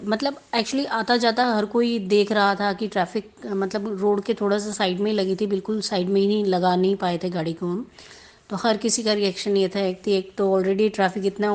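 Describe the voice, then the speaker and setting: A woman with a medium-pitched, darkish voice shares a devotional testimony in casual, chatty storytelling. She mixes English words into her Hindi and often restarts her sentences.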